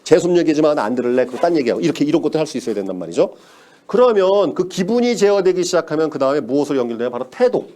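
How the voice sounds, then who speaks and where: A man's voice: a little high, very animated, rapid-fire, mellow. A man giving a motivational sales lecture, emphatic, repeating key words and asking the audience rhetorical questions.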